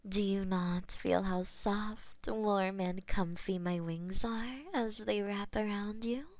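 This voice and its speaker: Woman doing a possessive female demon, teasing, very slow, breathy whispers, mid pitch. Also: no room sound, heavily acted. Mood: tender whispering. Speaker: voice actor in audio roleplay. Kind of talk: intimate audio roleplay.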